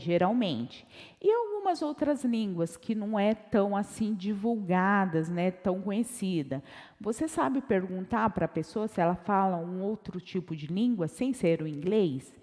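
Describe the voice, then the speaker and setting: Brazilian woman, English teacher, warm mellow tone, slow patient drilling, roomy reverb. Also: mid-range voice. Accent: Brazilian Portuguese. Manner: slow, careful repetition of English phrases. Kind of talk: online language lesson with slides.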